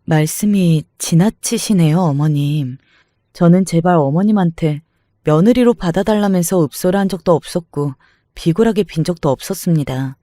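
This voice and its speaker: A man voicing a calm, cutting young newlywed daughter-in-law who answers politely but sarcastically. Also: fairly high pitch, normal speed, no room sound, clean studio sound, natural voice. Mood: sarcastic. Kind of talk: dramatized story reading.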